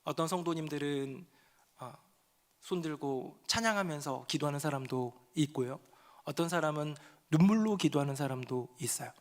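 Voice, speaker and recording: A man delivering a Sunday sermon from the pulpit, his voice sitting high for a man. He moves between quiet, reflective passages and raised, emotional outbursts, acting out the prayers he describes. Expressive preaching style. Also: moderate pace. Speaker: pastor.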